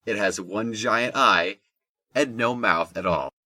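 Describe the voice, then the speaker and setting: A man reads scripted narration for an audio drama. His voice is low and bright, with clear forward projection as he describes the action. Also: slow.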